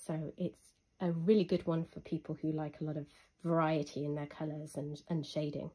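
A young woman with a husky voice from illness, giving a chatty, unhurried review with frequent ums. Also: sits low, little pitch movement, warm tone. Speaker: hobby reviewer. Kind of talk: casual product review voice-over.

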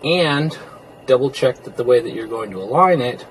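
A man in a casual how-to video, talking in a relaxed, explanatory way while he works with his hands inside a car. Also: medium pitch, normal speed, slight background noise. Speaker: car interior DIY reviewer.

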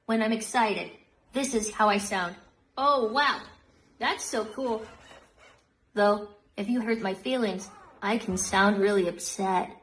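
A woman's voice: medium pitch, slow, long pauses, poor audio. A synthetic female-sounding robot voice giving polite, child-friendly answers to questions. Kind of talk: scripted demo answers.

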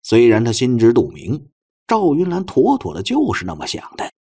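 Guy reading a novel audiobook, raspy voice, super animated pitch, dramatic storytelling. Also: moderate pace. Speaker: audiobook narrator. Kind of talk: dramatic scripted novel narration.

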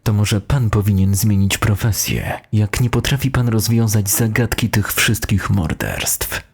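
A man's voice: fairly low pitch, measured pace, gravelly, husky, heavily acted. A man voicing a sardonic, confrontational deputy headteacher in an audio horror story. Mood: irritated, combative. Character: sarcastic, combative male deputy headteacher.

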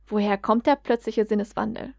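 A woman voicing a caring, attentive middle-aged mother in a read-aloud fan story, speaking softly with a slightly raised voice. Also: mid-range voice, fairly even intonation, fairly quick, creaky, no echo, natural voice. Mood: concerned. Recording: dull, dry lo-fi recording.

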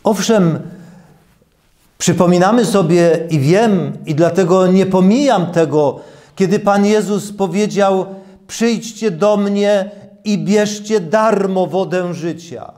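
A man in his sixties preaching a sermon and reading scripture in a deliberate, emphatic way, repeating key phrases. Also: sits high, warm tone. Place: small church room, at a lectern.

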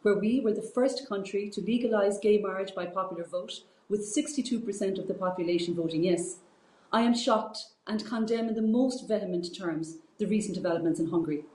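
A woman's voice: mid-range voice, brisk, darkish tone. A middle-aged woman with an Irish accent gives an earnest, formal prepared political speech over a video call. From Ireland. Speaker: regional representative and teacher. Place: indoor office, on a video call. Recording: echoey room over video-call link.

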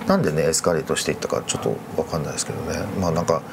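A middle-aged man with a low voice recounts a ghost story casually, as if thinking it over while he talks. Clear background noise sits behind him. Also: rapid-fire. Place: dark studio, seated at candlelit table.

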